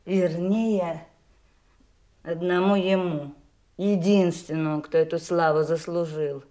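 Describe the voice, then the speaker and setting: Bitter daughter, slow and creaky. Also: female voice, medium pitch, a little mellow. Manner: theatrical, sarcastic, swinging between whisper and outcry. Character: bitter, rebellious, wounded daughter of a famous man. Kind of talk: Soviet audio stage drama acting.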